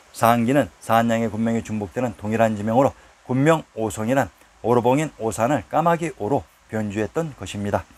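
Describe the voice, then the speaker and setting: A man giving scripted history narration, reading long lists of place names in a steady, measured way. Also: mid-range voice.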